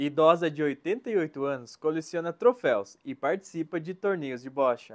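In an unremarkable speaking voice, the speaker uses lively intonation and big swings in loudness with hardly any pauses, recorded dry and close with no echo against a quiet background. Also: man, fairly high pitch for a man, moderate pace. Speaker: news presenter. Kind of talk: TV news intro.

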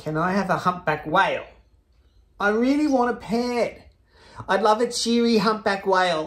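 Moving at a moderate pace, this is a man's voice. He speaks in a strong Australian accent. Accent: broad Australian. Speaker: children's book reader. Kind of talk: reading aloud. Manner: animated.

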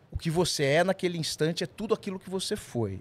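Lively in intonation, a man talks at a moderate pace in a high pitch. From Brazil, Campinas (São Paulo state); São Paulo state, Brazil. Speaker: cemetery tour guide; podcast guest, cemetery tour guide. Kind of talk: casual interview chat. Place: studio. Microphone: studio mic.

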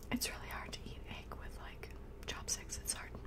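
Background noise is clearly audible in this clip. The woman speaks fairly briskly. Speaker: ASMR content creator. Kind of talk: casual talk to camera, mukbang. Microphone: studio mic.

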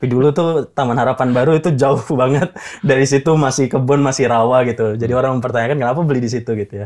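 A man rattles along at a very fast pace, his medium pitch held in fairly even intonation. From Jakarta, Indonesia. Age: 30s. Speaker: startup founder. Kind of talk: interview.

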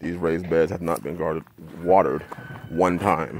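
A man speaks in a very deep, low pitch, with a dry sound that has no echo and light background noise. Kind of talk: casual vlog chat. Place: garden. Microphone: phone near.

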